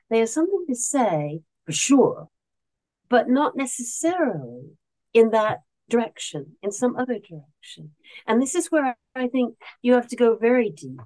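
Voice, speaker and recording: A woman's voice: on the high side, warm tone, poor audio. A middle-aged woman born in South Korea and raised around Asia, a guest author talking in a reflective, earnest way and often searching for her words in a casual conversation.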